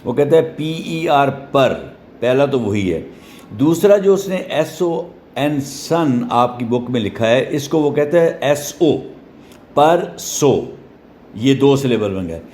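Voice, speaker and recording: A man teaching a class, spelling words out slowly letter by letter and checking in with short questions. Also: mid-range voice, lively intonation, mellow. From Pakistan. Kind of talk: classroom lesson explaining English syllables.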